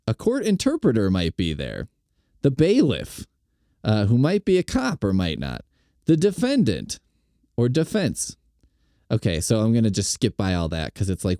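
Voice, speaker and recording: Male podcast host, sarcastic and profane, lively pitch, dark tone, dry sound. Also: no echo. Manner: profane, rambling, mocking. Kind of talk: sarcastic commentary.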